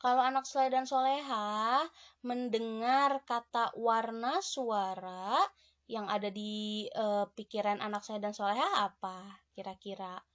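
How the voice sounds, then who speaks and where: A woman teaching young children in an online lesson, gentle and encouraging, checking in with them often. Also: a little high, steady tone, a little slow, muffled recording. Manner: gentle, encouraging, addresses pupils warmly with many "ya" and "nah".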